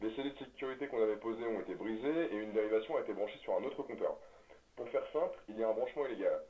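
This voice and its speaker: Un homme au téléphone pour un canular, au débit hésitant et un peu récité. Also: male voice, lowish voice, very fast, close to an everyday voice. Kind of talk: prank phone call recording. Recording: dull lo-fi audio.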